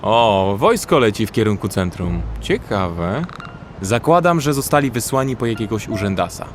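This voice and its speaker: An actor playing a protective, pragmatic young survivor in a horror audio drama, speaking practically and in control. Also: male voice, lowish voice, very animated, moderate pace, a little hiss or hum. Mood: terse, practical. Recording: music under the voice.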